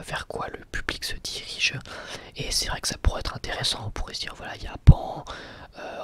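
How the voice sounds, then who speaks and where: Young man whispering ASMR commentary. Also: mid-range voice. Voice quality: breathy, unvoiced whisper. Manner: hesitant, unscripted, conversational. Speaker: ASMR video creator giving commentary.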